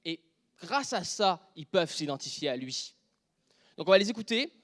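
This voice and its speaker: A man with a Quebec French accent preaching a sermon, dropping to a near whisper and then joking loudly with the congregation. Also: sits high, sing-song, normal speed. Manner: shifts from quiet intimate speech to loud joking with the congregation.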